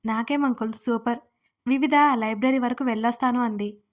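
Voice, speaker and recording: A woman's voice: on the high side, steady tone, normal speed, darkish tone, natural voice. Chatty teasing young woman, voiced by a narrator. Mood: cheerful. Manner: playful, talkative. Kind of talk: audio story character voice.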